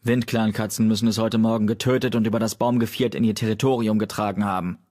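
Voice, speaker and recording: A man voicing a gruff male warrior cat who snaps and snarls in an audiobook. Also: medium pitch, steady tone, moderate pace, natural voice. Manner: snarling, snappish.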